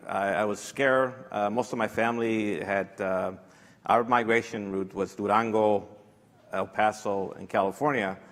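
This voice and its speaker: A man telling stories on a panel in a lively way, laughing readily. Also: lowish voice. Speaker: panel speaker. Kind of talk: storytelling on a panel. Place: lecture hall. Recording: reverberant lecture hall.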